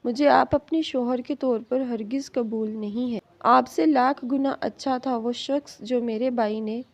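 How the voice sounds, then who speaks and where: A woman's voice: fairly high pitch, fairly even intonation. A woman voicing a defiant weeping young bride. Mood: tearful anger. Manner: defiant, sobbing, pleading.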